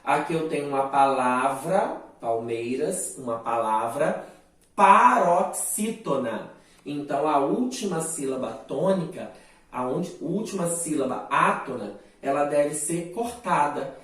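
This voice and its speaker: Brazilian male literature teacher, slow and explanatory, set back from the mic in a very echoey room. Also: fairly high pitch, expressive, fairly bright tone, far from the mic. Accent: Brazilian Portuguese. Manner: slow, explanatory, with frequent "né" and "tá" checks. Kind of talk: recorded online class lecture.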